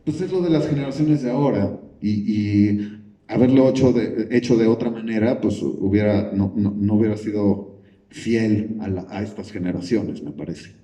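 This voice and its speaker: A low, very dark-toned man answers questions at a press conference. He thinks aloud and restarts his phrases often. He is heard from a distance in a strongly echoing room. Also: moderate pace. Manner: thoughtful, many restarts. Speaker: film director.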